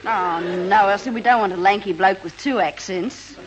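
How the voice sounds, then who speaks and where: An actress playing a bossy, scoffing Australian spinster sister in an old-time radio comedy, brisk and dry with her put-downs. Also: medium pitch, faint music behind, natural voice. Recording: noisy old radio recording.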